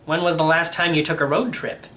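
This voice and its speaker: A man's voice: a little high, little pitch movement, a little fast, a bit bright, slight background noise, natural voice. A man voicing a curious, mildly sceptical young boy in a children's audiobook, plain-spoken and questioning.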